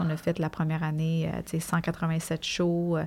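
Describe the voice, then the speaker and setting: A woman with a Quebec accent speaks in a somewhat breathy, fairly low voice with monotone, flat intonation. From Montreal, Quebec. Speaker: professional dancer. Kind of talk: interview.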